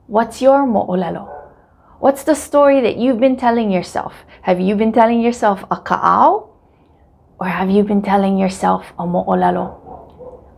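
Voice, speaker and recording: Hawaiian woman teaching, gravelly voice. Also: mid-range voice, a little mellow. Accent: Hawaiian English. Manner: friendly, repeats words slowly for listeners to echo. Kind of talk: casual vlog-style language lesson.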